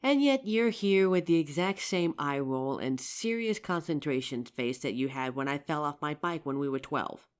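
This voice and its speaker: A woman playing an injured young survivor of a zombie apocalypse in a roleplay audio drama, with halting, emotive delivery. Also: sits low, animated, clean tone. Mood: relieved, fond.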